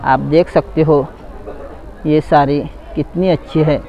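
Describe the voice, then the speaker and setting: A man's voice: a little high, steady tone, unhurried, muffled recording. A man vlogging as he walks through an expo hall, telling viewers "guys" what they can see. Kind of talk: walk-through vlog narration. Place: indoor expo hall, tents.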